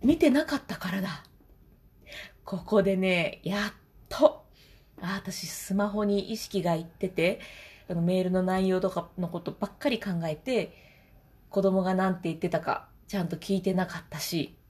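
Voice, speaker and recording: A woman's voice: fairly low pitch, moderate pace, a little mellow. A woman, a mother of two telling a casual spoken diary, chatty and laughing often.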